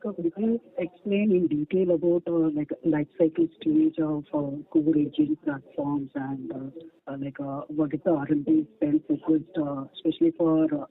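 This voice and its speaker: A man working as a financial analyst asks questions on an earnings call in a halting, deferential, repetitive way. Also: extremely high pitch, vocal fry. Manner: halting, deferential, repeats himself. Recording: tinny phone line.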